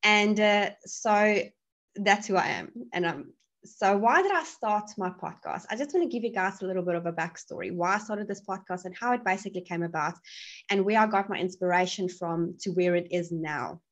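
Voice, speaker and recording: A woman's voice: medium pitch, moderate pace. A woman, presenting her podcast over a video call in a friendly, eager way. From South Africa. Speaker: podcast guest. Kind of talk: casual presentation.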